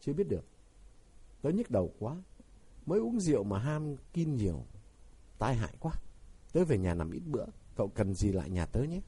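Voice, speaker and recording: Brief: a man doing a weary, bitter young man, husky and mellow, storybook reading. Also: medium pitch, very animated, normal speed, pauses often. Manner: weary, quietly resigned. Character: sick, embittered young man, weary and cold.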